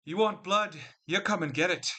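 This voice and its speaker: A combative fantasy adventurer, acted by a man at a game table squares up with taunts. He sounds defiant and challenging, pitched up from ordinary talk. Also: normal speed, pushed and bright.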